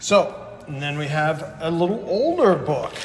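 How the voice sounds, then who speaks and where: Music plays in the background. A man with an American accent speaks at a fairly high pitch. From New York. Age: 50s. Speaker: comic book dealer. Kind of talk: live sales stream. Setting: live stream with chat. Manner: animated.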